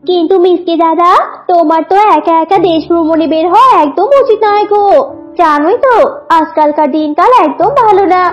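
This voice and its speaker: Woman playing very high, fussy cartoon vixen. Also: fairly quick, dull audio, faint music behind. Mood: pleading. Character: fussy, worried, high-voiced female fox. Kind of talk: cartoon voice acting.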